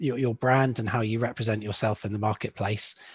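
A somewhat breathy man speaks at a fairly quick pace with fairly even intonation. The sound is dry with no echo, and the background is quiet. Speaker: patent attorney. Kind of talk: workshop presentation. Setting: video call. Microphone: video call.

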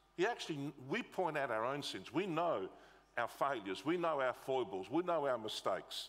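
A man speaks with an Australian accent. His pitch swings very widely. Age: 60s. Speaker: pastor. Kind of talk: sermon. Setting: church. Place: church.

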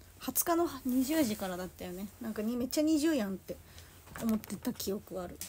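Over light background noise, a woman with a fairly high pitch and a dark, mellow, somewhat breathy tone talks at a fairly quick pace with lively intonation. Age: 20s. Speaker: idol livestreamer. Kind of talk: casual chat. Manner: animated. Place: home room. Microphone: phone near.

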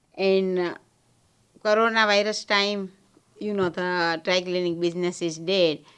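A woman with a non-native accent speaks fairly slowly at a medium pitch in a flat monotone. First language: not English. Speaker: business owner applicant. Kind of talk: public address to council. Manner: halting.

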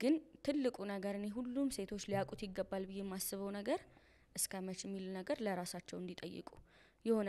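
A woman's medium-pitched voice, dark and mellow in tone, with ordinary pitch variation. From Ethiopia, Adama; Ethiopia. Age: 20s. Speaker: pharmacist and marketing trainer; marketing trainer. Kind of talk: interview, personal story. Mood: calm, earnest. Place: studio. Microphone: studio mic.

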